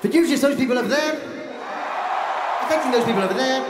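A man's voice: very high-pitched, very fast, very noisy. A man in his fifties, a lead singer, doing playful, teasing stage banter that builds by repetition, into a handheld mic on an outdoor stadium stage. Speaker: lead singer addressing the crowd. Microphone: handheld stage mic through PA. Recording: echoey stadium PA with loud roaring crowd. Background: roaring crowd.

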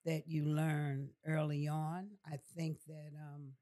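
An older woman from New York City speaks as a guest in a studio conversation. She takes her time, pausing and choosing words deliberately, in a very slow, reflective delivery. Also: deep voice, little pitch movement, dark tone. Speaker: podcast guest. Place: small furnished podcast studio. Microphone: close boom-arm studio mic with headset.

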